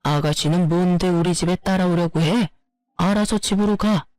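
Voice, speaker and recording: A woman's voice: fairly low pitch, moderate pace, a little mellow, lightly acted. A woman voicing a stern older father-in-law who scolds bluntly. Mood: cold.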